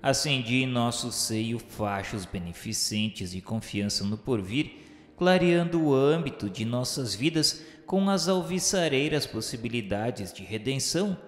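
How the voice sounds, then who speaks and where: A man's voice: mid-range voice, expressive, unhurried. Solemn Brazilian male narrator in cavernous reverb. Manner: solemn, formal, literary diction. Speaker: narrator of a radio novel. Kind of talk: dramatic scripted first-person narration. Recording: echoey hall reverb with music. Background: music.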